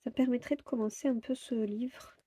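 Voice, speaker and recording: A woman's voice: a little high, steady tone, moderate pace, mellow, slightly rough, dry recording. A woman chatting casually about her coloring plans, hesitant, with many fillers and repeated words. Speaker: coloring vlogger.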